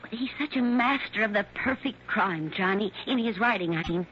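A woman's voice: mid-range voice, expressive, lightly acted. An actress playing an anxious, hesitant young wife in her twenties, in a 1960s radio drama. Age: 20s. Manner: halting, faltering, worried speech. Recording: dull old radio broadcast with faint hiss.

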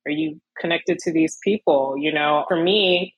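A young woman from Miami, an illustrator talking casually in an interview, animated with frequent laughs and fillers. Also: low voice, normal speed, breathy edge, no room sound, muffled recording. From Miami, USA. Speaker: illustrator guest.

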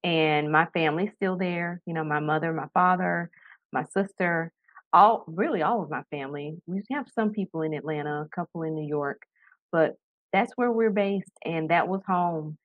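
A woman's voice: on the low side, normal speed, no room sound. A middle-aged woman from Tennessee giving conversational answers as a podcast guest. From Chattanooga, Tennessee, United States. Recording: dull lo-fi dry remote recording.

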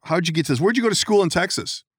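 A man's voice: high voice, animated, racing, breathy edge, no room sound. A man hosting a casual podcast interview from his studio, chatty and joking, rambling a bit as he talks. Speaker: podcast host. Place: studio in Minneapolis.

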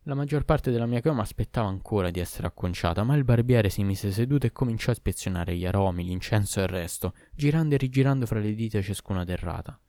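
A man narrates a storybook in a steady, measured way. His voice sits low and dark, and the recording is dry and close with no room sound. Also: no room sound. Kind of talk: storybook reading.

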